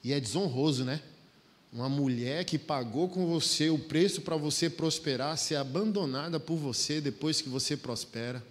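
A man's voice: on the high side, normal speed. A middle-aged man from Brazil preaching a sermon in a folksy, emphatic way, acting out bits of dialogue. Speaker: pastor. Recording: long hall reverb.

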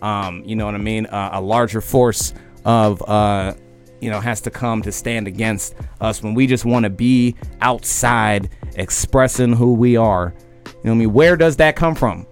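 A man in his late twenties, talking loudly and emphatically on a podcast and often asking "you know what I mean?". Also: fairly low pitch, normal speed, faint music behind. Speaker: podcast host. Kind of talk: casual conversation.

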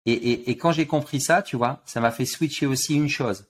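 A man's voice: medium pitch, normal speed. A man, a guest coach in an interview, explains his ideas with analogies and often repeats words as he builds his point. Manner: animated teaching with sports analogies, repeats words.

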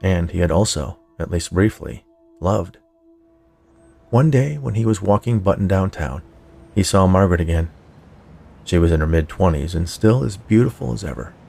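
A man narrating scripted fiction for a podcast in a measured storytelling way. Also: low-pitched, expressive, vocal fry, a little mellow, slightly rough, faint music behind. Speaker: podcast narrator, writer and producer.

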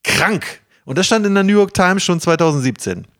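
A man hosting a podcast, chatting casually in a halting, informal and excitable way. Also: high-pitched. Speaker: podcast host. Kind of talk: casual chat, presenting to co-hosts.

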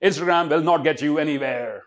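Speaking fairly quickly in a slightly high voice, a middle-aged Indian-accented motivational speaker urges students on. His talk is emphatic and exhorting, peppered with rhetorical questions aimed at the audience.

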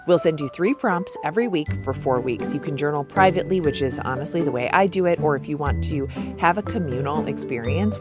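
A woman hosting a podcast, narrating in a wry, playful scripted style with joking asides. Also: deep voice. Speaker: podcast host.

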